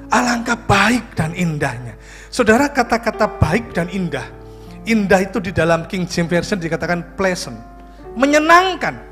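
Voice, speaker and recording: A male pastor, preaching a lively sermon full of jokes and questions to the congregation. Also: high voice. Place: church.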